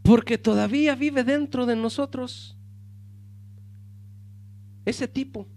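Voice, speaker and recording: A male pastor preaching a sermon with passion, calling the congregation brothers and swinging from loud to hushed. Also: very high-pitched, slow pace.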